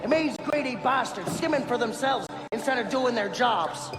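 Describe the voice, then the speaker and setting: A man's voice: very high voice, lively intonation, normal speed, crowd noise. An actor playing a bitter, indignant taxman turned revolutionary in a video game, with an agitated, declamatory delivery. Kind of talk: dramatic game acting. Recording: echoey hall, loud music behind.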